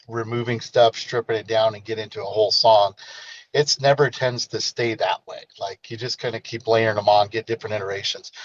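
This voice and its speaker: A man chatting casually as a guest, explaining how he works in a relaxed conversational way. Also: mid-range voice, muffled recording, slight background noise. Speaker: guest music maker. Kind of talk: casual chat.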